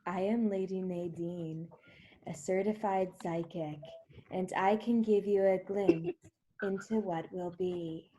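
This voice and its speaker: Woman playing a slow, portentous psychic, noisy recording. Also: fairly low pitch, fairly even intonation. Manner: dramatic pauses, portentous. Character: theatrical, mysterious phony female TV psychic. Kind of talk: parody infomercial, comedy sketch. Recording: clear background noise with clicks.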